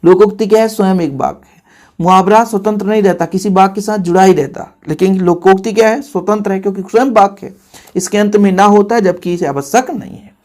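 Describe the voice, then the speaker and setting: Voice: mid-range voice, fairly even intonation, fast talker, a little mellow. Chatty teacher repeating exam points. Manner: chatty, repeats points for emphasis, addresses students directly. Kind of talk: exam-prep grammar lesson.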